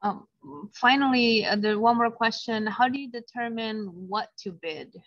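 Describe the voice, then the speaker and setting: A woman's voice: fairly high pitch, a little slow, fairly bright tone, dry recording, dull audio. A woman host reading out audience questions, with a hesitant manner and fillers. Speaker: library host, interviewer.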